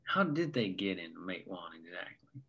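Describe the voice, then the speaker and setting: A man's voice: sits low, very animated, normal speed, a bit bright, a little hiss or hum, full character voice. A man reading the part of a blunt, stern man with a dry delivery during a screenplay table read.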